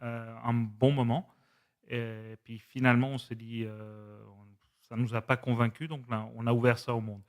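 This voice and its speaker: A man in his forties, a Spanish speaker, telling his story as a podcast guest in a measured, reflective way. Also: mid-range voice, little pitch movement. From Switzerland. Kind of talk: casual conversation.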